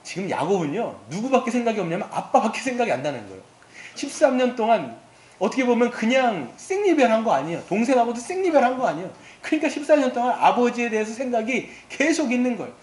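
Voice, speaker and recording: A male pastor preaching a sermon in an animated, storytelling way, often asking the congregation questions. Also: very high voice, fast talker. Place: church sanctuary. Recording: echoey hall with faint background hiss.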